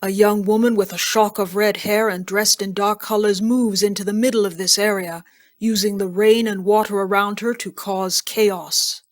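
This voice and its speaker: A woman's voice: mid-range voice, steady tone, normal speed, no room sound, studio quality. A woman reading scene directions as scripted narration for an audio drama.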